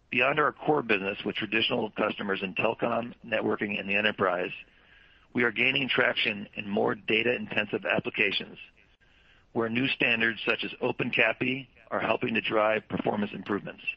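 A man presenting as a company executive, reading prepared earnings call remarks in a formal, measured way. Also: fairly low pitch, gravelly, husky, no room sound, highs cut off. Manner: formal, measured read-out delivery.

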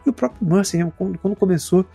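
A man with a Brazilian accent, chatting casually on a podcast in a relaxed, rambling, slangy way. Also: sits high, racing, creaky, husky, soft background music. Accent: Brazilian Portuguese. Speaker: podcast co-host. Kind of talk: casual chat about tabletop games.

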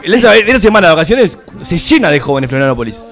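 A man co-hosts a radio talk show, teasing in rapid, quick-fire bursts. His voice sits a little high. Faint music plays underneath. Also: big pitch swings, a bit bright. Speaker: radio co-host. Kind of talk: casual studio banter.

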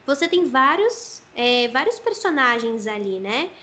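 A woman's voice: sits high, very animated, measured pace, a bit bright, slight background noise. A Brazilian woman who works as a voice actress, explaining her craft thoughtfully in an interview. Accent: Brazilian Portuguese.

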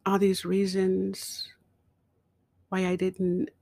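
A woman telling a personal story in a slow, emotional way, with dramatic pauses. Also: mid-range voice, monotone, gravelly, warm tone, dry recording. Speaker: speaker.

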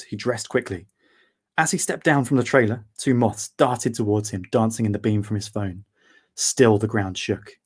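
A man with a British accent, a guest author chatting and reading his own story aloud in a measured, self-deprecating way. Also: on the low side, darkish tone, slightly rough.

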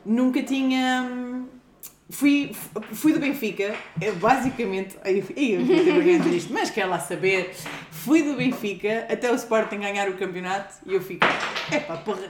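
A woman's voice: fairly high pitch, normal speed, slight background noise. A woman with a European Portuguese accent talking casually and informally about herself, in a self-deprecating way. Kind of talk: casual chat. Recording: loud kitchen clatter, echoey room.

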